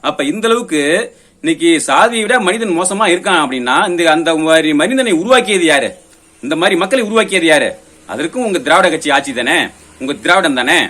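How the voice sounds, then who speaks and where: A man's voice: on the high side, animated, fairly quick, sharp tone. A man giving a confrontational political monologue, firing pointed rhetorical questions in an accusatory way. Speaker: political commentator. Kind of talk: political monologue rebutting an opponent.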